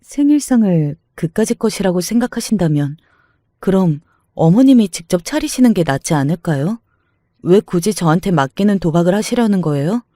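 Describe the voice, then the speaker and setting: A man voicing a calm, cutting young newlywed daughter-in-law who answers politely but sarcastically. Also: high voice, moderate pace, dry recording, clean studio sound. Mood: sarcastic. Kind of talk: dramatized story reading.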